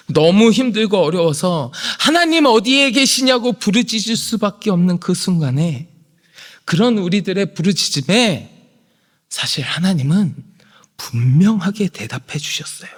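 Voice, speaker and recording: A male pastor preaching a sermon, swinging from hushed whispers to shouted proclamation. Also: a little high. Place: church sanctuary. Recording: long hall reverb.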